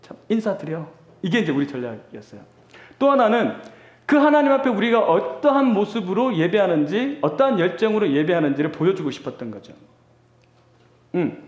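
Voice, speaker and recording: A man's voice: high-pitched, brisk, muffled recording. A man preaching to a young crowd, telling stories in a playful way and laughing often. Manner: animated, playful storytelling with laughs. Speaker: pastor. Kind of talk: sermon. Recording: echoey hall.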